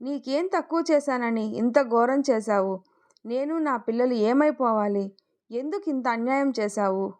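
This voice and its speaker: A woman voicing a spirited, sharp-tongued young village wife in a storybook tale. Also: fairly high pitch, a little slow, lightly acted. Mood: distraught.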